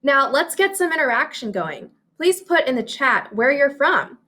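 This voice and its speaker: A woman's voice: high voice, sing-song, moderate pace, sharp tone. Upbeat woman hosting a conference stage. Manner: upbeat, formal introductions. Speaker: conference host. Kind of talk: scripted event hosting.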